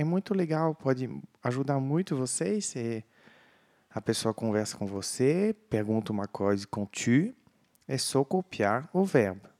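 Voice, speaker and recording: Slow-spoken Brazilian man teaching French. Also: medium pitch, a little mellow. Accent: Brazilian Portuguese. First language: Portuguese. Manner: slow, clear modeling of French phrases. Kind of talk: language lesson.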